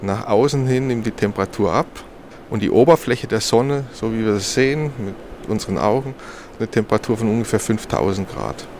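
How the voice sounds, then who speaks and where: A man's voice: fairly low pitch, animated, brisk, a little mellow, a little hiss or hum. A man, a solar scientist, giving explanations in an interview.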